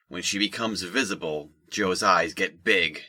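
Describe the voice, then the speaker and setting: A man's voice: low voice, a little slow, bright, forceful tone, no room sound, studio quality. A man reading scripted third-person narration for an audio drama.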